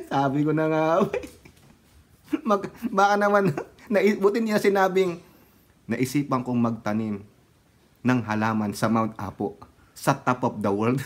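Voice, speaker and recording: This man's voice is on the high side and a bit bright, with a Filipino accent. He's a political commentary vlogger offering casual, sarcastic takes, frequently laughing and breaking into bits of song.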